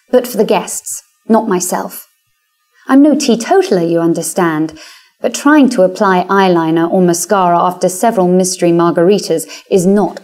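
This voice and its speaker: A woman's voice: fairly low pitch, a little mellow. A woman with a British accent narrating a first-person story in a wry, confident, self-mocking way. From Britain. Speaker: audiobook narrator.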